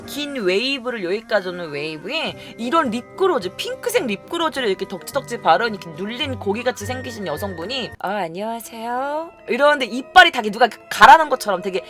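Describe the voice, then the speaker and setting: A woman's voice: a little high, fast talker, hardly any pauses, over music. A young woman vlogger telling a story in a casual chat style, acting out the people she quotes. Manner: animated, acts out quoted people.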